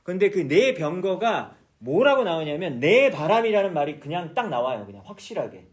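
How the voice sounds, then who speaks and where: A man's voice: high voice, big pitch swings, moderate pace. A man teaching a church Bible study, explaining patiently, repeating key words and asking his listeners many questions. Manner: mixes English words into explanations.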